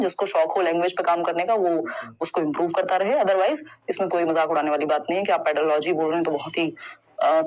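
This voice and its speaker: A woman's voice: mid-range voice, low-quality recording. A young woman teaching an exam-prep lesson in a conversational, reassuring way, mixing English terms into her speech. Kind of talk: online lesson, explaining test answers.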